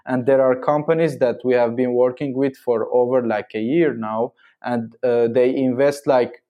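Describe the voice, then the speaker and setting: Mellow man. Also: medium pitch. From Syria. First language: Armenian and Arabic. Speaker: podcast guest, marketing agency founder. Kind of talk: casual conversational interview answers.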